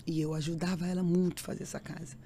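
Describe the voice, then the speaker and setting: A woman tells an emotional faith testimony as a podcast guest. Her voice sits a little low, and she repeats phrases and puts on the voices of the people in her story. A faint background hiss runs under her. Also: level tone, fast talker, warm tone.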